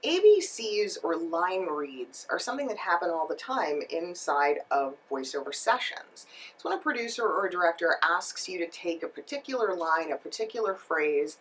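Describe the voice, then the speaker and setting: A woman's voice: on the low side, a bit bright, distant mic. A woman giving instructional tips to camera as a voice-over coach and host, emphatic and speaking directly to her viewers. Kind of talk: instructional video talk to camera.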